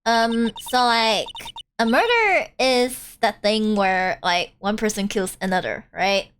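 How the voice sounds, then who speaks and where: A woman's voice: mid-range voice, lively intonation, takes it slowly, fairly bright tone, a little hiss or hum, pitched below the performer's own voice. A woman voicing a bubbly, ditzy young sorority-type college student in a video game, with an airheaded Valley Girl accent. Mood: ditzy, casual.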